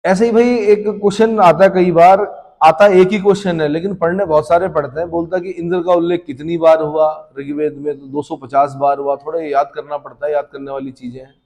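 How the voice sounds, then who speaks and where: Indian guy lecturing history, bit higher voice, echoey hall sound. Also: fairly even intonation, brisk, darkish tone. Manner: repeats questions to the class and answers them. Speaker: history teacher. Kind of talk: classroom lecture.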